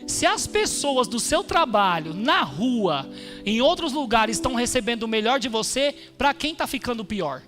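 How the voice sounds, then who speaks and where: A pastor preaching a sermon in a church, emphatic, calling on the congregation with frequent amens. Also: male voice, extremely high pitch, sing-song, normal speed, over music. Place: church hall during a service.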